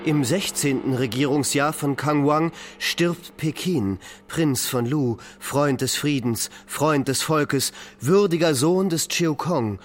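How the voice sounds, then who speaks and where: A man narrating an epic poem for a radio play in a measured, declamatory way. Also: fairly high pitch. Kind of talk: solemn scripted recitation of epic poetry.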